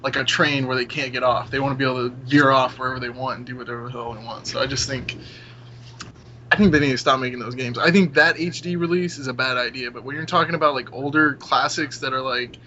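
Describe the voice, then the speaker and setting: A man's voice: medium pitch, fairly even intonation, fast, bright, forceful tone. A young man in a casual gaming discussion, giving opinions in an emphatic, slangy, informal way. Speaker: podcast panelist. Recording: muffled audio with clear background noise.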